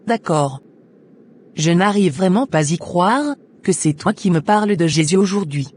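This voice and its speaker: A woman voicing a kind, devout character in a Christian cartoon, with a husky voice and gentle, formal delivery. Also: on the low side, moderate pace, a little hiss or hum, close to an everyday voice. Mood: surprised, agreeing. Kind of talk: scripted Christian animation dialogue.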